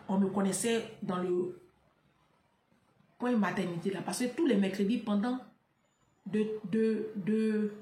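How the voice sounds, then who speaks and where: A woman's voice: mid-range voice, darkish tone. Fiery woman ranting, echoey room. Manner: fiery, scolding, repeats "là" and "hein". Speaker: online commentator. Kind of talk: impassioned monologue to camera.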